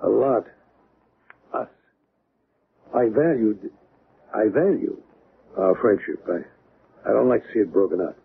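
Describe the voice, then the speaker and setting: An actor playing a sober, resigned, skeptical friend in a 1970s radio drama. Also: male voice, lowish voice, expressive, unhurried, vocal fry, pauses often. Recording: narrow-band old radio, background noise.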